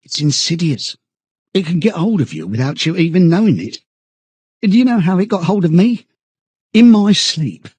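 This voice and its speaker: A man's voice: sits high, sing-song, moderate pace, darkish tone, breathy edge, dry recording, voice pushed up, heavily acted. A man voicing a frightened, servile, middle-aged party loyalist in an audiobook, stammering and eagerly chummy. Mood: sanctimonious, eager. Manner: stammering, chummy old-fashioned British chap talk, sententious.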